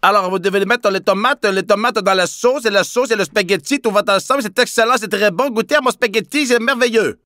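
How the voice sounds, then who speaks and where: A man's voice: high-pitched, brisk, few pauses, pushed and bright, no echo, studio quality, pitched above the performer's own voice. A man voicing an exuberant, effusive Italian cook. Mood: delighted. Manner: effusive, repetitive.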